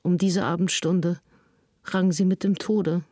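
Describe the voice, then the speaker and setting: Mourning 1800s diarist, really slow and solemn, mellow dark voice, dry sound. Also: female voice, fairly low pitch, fairly even intonation, dry recording. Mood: grieving, desolate. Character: grieving 19th-century woman writing in her diary. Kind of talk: dramatic reading of a historical diary.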